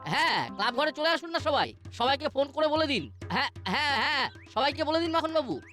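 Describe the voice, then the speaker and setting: A woman voicing an excitable, bustling committee official in a comic cartoon. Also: sits high, fairly quick, faint music behind, heavily acted. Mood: busy, eager. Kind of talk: animated comic cartoon acting.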